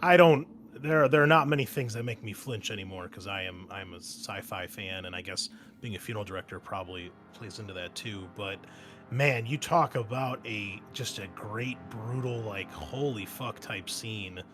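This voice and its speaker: A man's voice: on the low side, normal speed, over music. A man hosting a tabletop game session in casual, sweary chat. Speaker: host and game master.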